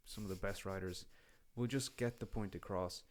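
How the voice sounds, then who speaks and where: A man's voice: low-pitched, steady tone, moderate pace. An Irish man, a podcast guest, talking casually and rambling with frequent ums, restarts and the odd swear word. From Ireland. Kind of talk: casual conversation.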